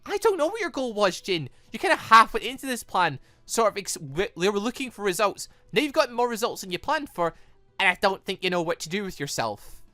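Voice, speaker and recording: A woman giving excitable video game commentary as a let's play host, reacting out loud with exclamations. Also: medium pitch, brisk, no room sound, faint music behind.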